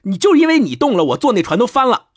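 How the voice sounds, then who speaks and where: A stern old sorcerer master scolding his apprentice for lying, as a man puts him on while retelling a folk tale. it is told in a brisk, husky voice with a lively lilt, recorded close and dry. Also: fairly high pitch, dry recording, heavily acted. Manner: scolding, accusing.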